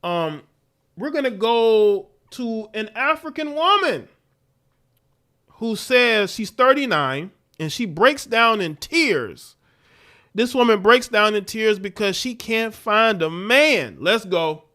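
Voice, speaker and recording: A man's voice: high voice, lively intonation, slow pace, pushed and bright. A male livestream host rants bluntly about the clips he plays. His tone is scornful and lecturing, and his voice sits a little above the usual male range. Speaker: livestream commentator. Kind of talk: livestream reaction commentary.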